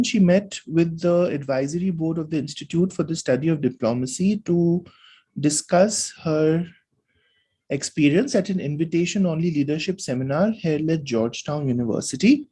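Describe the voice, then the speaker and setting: Working through a test passage, a tutor reads it out and walks through why one answer is correct, pausing to ask "right?" as a check. Their mid-range voice is mellow and slightly breathy, with lively intonation at a normal speed.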